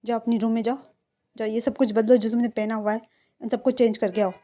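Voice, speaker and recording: A woman voicing a stern middle-aged father who gives quiet, firm orders while reading a fan fiction story. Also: a little high, little pitch movement, quick pace, natural voice.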